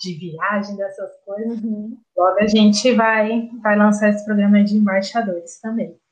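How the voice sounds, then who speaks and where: A woman of medium pitch speaks with hardly any pauses in a somewhat breathy voice. Her intonation is monotone and flat. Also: moderate pace. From São Paulo, Brazil. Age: 30s. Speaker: missionary. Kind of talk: testimony. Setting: remote call.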